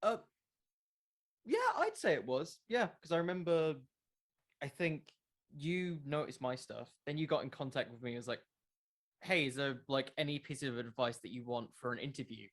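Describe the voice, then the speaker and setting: A man with a mid-pitched voice answers questions as an interview guest. He is a podcaster and speaks in a loose, conversational way. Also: lively intonation, normal speed. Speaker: podcast creator being interviewed. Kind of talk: casual interview chat.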